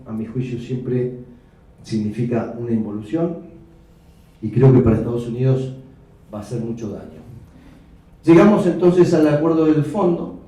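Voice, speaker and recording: A man with an Argentine Spanish accent giving an economics talk with slides, measured and explanatory, correcting himself as he goes. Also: medium pitch, warm tone. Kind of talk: lecture with slides. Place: hotel function room. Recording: echoey room, mic far off.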